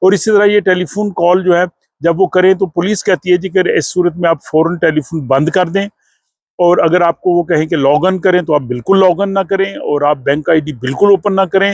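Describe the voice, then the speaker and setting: A man's voice: high voice, steady tone, no room sound. A man hosts an informational news vlog, explaining things to viewers with frequent filler phrases and hesitations. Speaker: vlog host.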